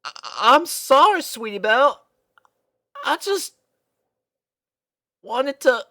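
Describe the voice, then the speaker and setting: A woman's voice: high-pitched, sing-song, slow, bright, forceful tone, voice pushed up, heavily acted. A woman voicing a sweet young farm filly in a story reading, earnest and eager to help. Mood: hurt, apologetic.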